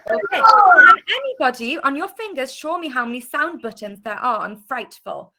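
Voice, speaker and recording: Bright-voiced British woman teaching phonics. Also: high voice, big pitch swings, moderate pace. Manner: encouraging, clear sounding-out of letters. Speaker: primary school teacher. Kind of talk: online phonics lesson. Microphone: video call.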